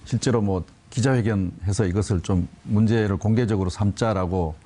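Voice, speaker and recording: A man commenting on politics as a panelist, formal and measured, pausing between phrases. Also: lowish voice, warm tone.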